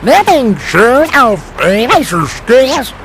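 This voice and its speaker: A man voicing a boastful, simple-minded country tow truck in a cartoon game, with a pitch-shifting voice changer. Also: big pitch swings, takes it slowly, background noise, full character voice.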